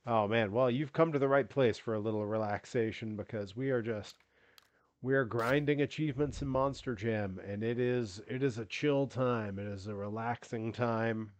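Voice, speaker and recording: Streaming a video game live, a man chats and rambles casually, with many restarts and fillers. His allergies leave him congested, so he sounds like he has a cold. His voice is mid-range at a moderate pace, and the recording is dry.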